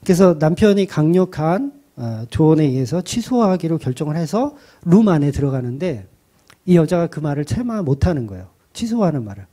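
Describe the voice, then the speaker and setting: A male pastor giving a sermon, retelling a film in an animated, conversational way. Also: on the high side, fairly quick.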